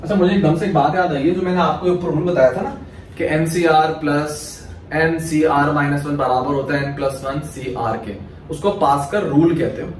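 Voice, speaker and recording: A man's voice: fairly high pitch, fairly even intonation, moderate pace, a little hiss or hum. A male math teacher with a Pakistani Urdu accent giving a classroom lecture, explaining step by step and answering his own questions. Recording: very echoey room, voice from far off.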